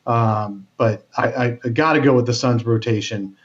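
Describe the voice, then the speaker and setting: A man's voice: mid-range voice, moderate pace. A man co-hosting a casual sports podcast, talking with lots of fillers and restarts. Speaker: podcast co-host. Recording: dull lo-fi sound.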